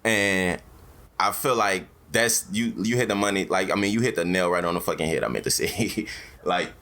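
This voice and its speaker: A man's voice: sits low, moderate pace, bright, forceful tone. A man with an African American accent hosting a casual, opinionated podcast, talking in slang with plenty of swearing. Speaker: podcast host.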